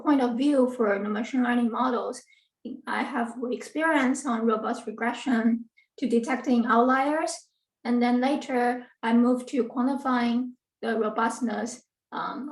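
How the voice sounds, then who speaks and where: A woman in her thirties from Taiwan, giving an academic talk on a video call, earnest and full of ums and self-corrections. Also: on the high side. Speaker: guest lecturer, assistant professor. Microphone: video call computer mic. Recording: roomy, distant from the mic.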